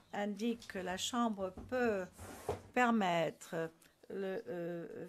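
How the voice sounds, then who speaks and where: A woman giving a formal courtroom interpretation of procedural rulings, in a measured way with frequent hesitations. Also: medium pitch.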